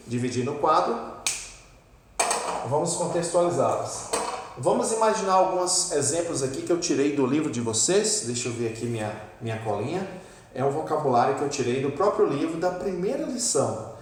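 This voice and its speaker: A Brazilian man teaching English at a whiteboard in a mid-pitched voice, patiently repeating each word. He is recorded from far across a classroom, so the sound is distant and heavily echoey with a long reverb tail. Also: darkish tone. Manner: patient, repeats words slowly for pronunciation. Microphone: camera at a distance.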